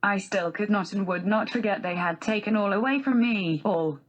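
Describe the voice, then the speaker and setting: Bitter brooding man read by a flat synthetic female voice, storybook. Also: medium pitch, moderate pace, dull audio, natural voice. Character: brooding man, bitter over his loss.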